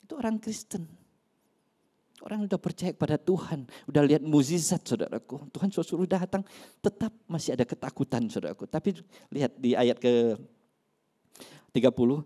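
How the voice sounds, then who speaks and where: A pastor preaching a sermon in church, swinging between loud emphasis and soft asides. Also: male voice, fairly high pitch, lively intonation, normal speed, long pauses, breathy edge.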